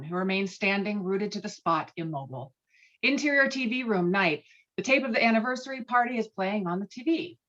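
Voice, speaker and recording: A woman's voice: medium pitch, fairly bright tone. A woman reading stage directions as scripted narration for a table read. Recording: dull, lo-fi online call audio.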